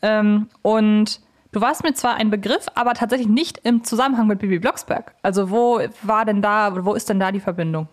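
A woman's voice: mid-range voice, steady tone, moderate pace. A woman hosting a podcast, interviewing in an informal, conversational way with rambling, self-correcting questions. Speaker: podcast host.

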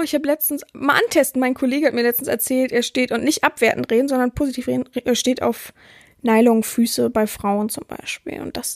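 A woman's voice: on the high side, darkish tone, no echo, clean studio sound. A woman hosting a podcast in a casual monologue, talking chattily and acting out quoted lines of dialogue. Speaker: podcast host, dominatrix.

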